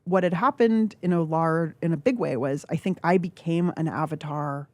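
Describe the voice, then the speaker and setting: A woman in her forties talks through her thoughts slowly and candidly, with plenty of filler words. Her voice sits low and mellow. The studio mic sounds close and dry. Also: dry recording. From California. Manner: reflective, halting, with filler words. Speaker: guest author. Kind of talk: candid radio interview. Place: radio studio. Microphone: studio microphone.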